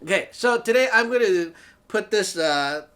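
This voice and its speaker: A man's voice: high-pitched, lively intonation, moderate pace, fairly bright tone. Chatty man. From Hong Kong. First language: Cantonese. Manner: chatty, laughs often, keeps asking "okay?". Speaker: Taoist teacher and show host. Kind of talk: casual talk show monologue. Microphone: talking to camera.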